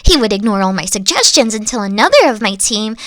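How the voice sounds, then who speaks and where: A woman voicing a gentle, insecure young three-tailed kitsune girlfriend in an ASMR roleplay, speaking softly with frequent whispers and sighs. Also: medium pitch, big pitch swings, a little fast, dry recording, clean studio sound. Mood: hurt, frustrated. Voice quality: soft, whispery, sighing. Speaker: team lead.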